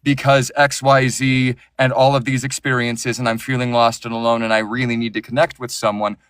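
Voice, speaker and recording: A man's voice: mid-range voice, flat delivery, brisk, a bit bright, clean tone, dry recording, studio quality. A man who narrates audiobooks, talking passionately and with strong opinions in a casual interview, often restarting his sentences.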